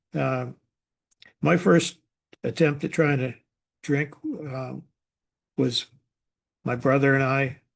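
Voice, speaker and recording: Speaking with an American accent, a man talks at a very slow pace with fairly even intonation and long, frequent pauses. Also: medium pitch for a man. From Massachusetts, US. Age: 70s. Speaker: recovery meeting speaker. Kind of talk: testimony.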